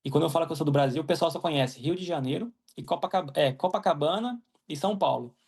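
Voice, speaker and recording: His voice is a little high, creaky and darkish with a breathy edge, and he talks fast. He's a young man from Mato Grosso, an agronomist living in Ireland, casually fielding interview questions as a guest in Brazilian Portuguese, restarting often and scattering fillers and "né?" tags.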